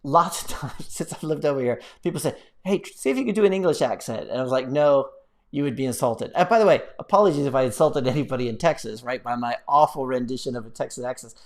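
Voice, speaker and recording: A man hosting a casual live stream, chatting in a rambling, playful, animated way as he reads out and answers viewer comments. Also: mid-range voice, fast. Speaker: live-stream host, app developer.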